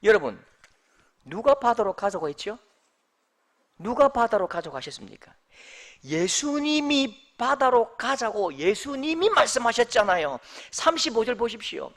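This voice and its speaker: Male pastor, high lively voice, jokey sermon delivery full of questions. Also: moderate pace. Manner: animated, humorous, rhetorical questions.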